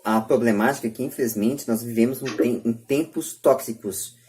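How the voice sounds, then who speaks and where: A woman's voice: very deep voice, normal speed, mellow, faint music behind. A Brazilian woman hosting a casual podcast debate, emphatic and often repeating or rephrasing her points. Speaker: podcast host.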